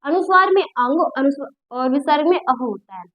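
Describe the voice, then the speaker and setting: A young woman with a high voice gives a step-by-step grammar lesson. She poses questions to the listener, answers them herself, and stops to correct her slips. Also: animated, normal speed, lo-fi sound. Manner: explanatory, repeats and checks understanding, corrects herself. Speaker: teacher. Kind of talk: spoken Hindi grammar lesson.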